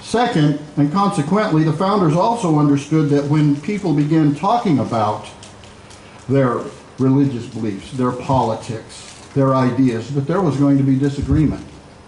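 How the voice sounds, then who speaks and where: With audible room echo and noticeable background noise, a man at a fairly high pitch speaks at a moderate pace with lively intonation and very even loudness. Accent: American. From US Midwest, Indiana. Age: 60s. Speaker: history professor. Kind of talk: public talk.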